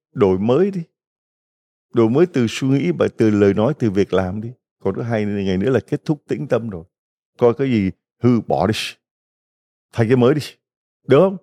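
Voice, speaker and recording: A man's voice: mid-range voice, dark tone. A middle-aged man, a Catholic priest, giving a folksy retreat homily full of stories and rhetorical questions to the congregation.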